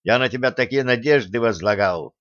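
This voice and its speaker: A man doing a gruff, shouting fencing coach. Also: mid-range voice, brisk, no echo, dull audio, natural voice. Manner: shouting, scolding. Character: gruff angry middle-aged male fencing coach.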